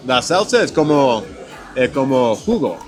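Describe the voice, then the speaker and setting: A man's voice: medium pitch, very animated, measured pace, soft background music. A man hosting a food vlog in a restaurant, chatting casually and stopping often to search for his words. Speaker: vlog host tasting food.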